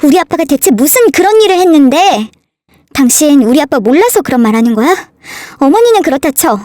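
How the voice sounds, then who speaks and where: A woman's voice: sits high, big pitch swings, fairly quick, mellow, dry recording, studio quality, voice pushed up. A woman voicing a furious young wife who indignantly fires back at her husband.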